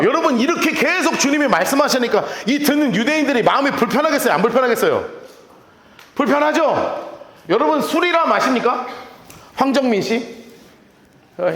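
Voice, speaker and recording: A man preaching a sermon as pastor, playful and animated, acting out little scenes as he teaches. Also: very high voice, echoey room. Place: church.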